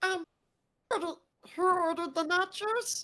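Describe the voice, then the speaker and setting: A put-on character voice, extremely high in pitch and timid in tone, at a moderate pace. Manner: hesitant, timid.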